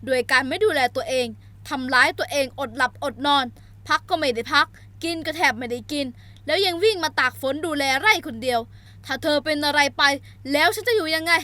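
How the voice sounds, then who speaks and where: A woman voicing a possessive young man in an audio novel, scolding loudly and forcefully. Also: sits high, drawn-out words, hardly any pauses, dry recording, full character voice. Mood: angry.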